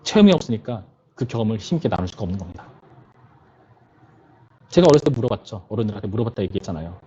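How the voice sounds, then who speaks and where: A man's voice: lowish voice, sing-song, very fast, dark tone, husky, highs cut off. A male pastor preaching to a youth service in a conversational way, often putting questions to his listeners.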